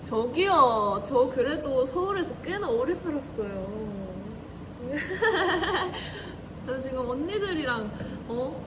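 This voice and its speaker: A woman's voice: high voice, expressive, slow. Giggly chatty young woman, noisy background. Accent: Korean regional dialect. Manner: giggly, chatty, reads and answers comments. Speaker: idol livestream host. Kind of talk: casual livestream chat.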